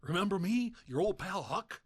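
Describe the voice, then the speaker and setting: A man's voice: high-pitched, lively intonation, moderate pace. A man voicing a chatty, cheeky robotic personal assistant in a video game, with perky, teasing patter. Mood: cheeky, eager. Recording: music under the voice.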